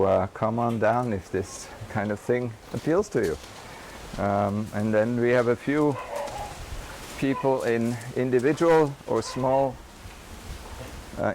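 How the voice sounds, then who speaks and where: A man's voice: medium pitch, slow pace. A man guiding visitors around an animal rescue center, explaining hesitantly with many fillers. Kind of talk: walking tour explanation. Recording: noisy outdoor recording with barking dogs.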